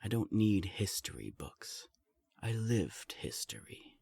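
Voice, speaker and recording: A man playing an ancient, powerful vampire in an audio drama, gravelly, taunting and self-assured. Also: lowish voice, sing-song, takes it slowly, warm tone, dry recording, exaggerated voice. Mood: commanding, self-assured. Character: smug, ancient, powerful male vampire enforcer. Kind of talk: scripted audio drama acting.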